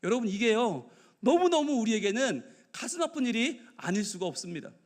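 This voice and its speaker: A man's voice: very high voice, a little fast. A man in his forties, a pastor preaching a sermon in a large church, acting out quoted voices as he goes. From Seoul, South Korea. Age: 40s. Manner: animated, acts out quoted voices in dialogue.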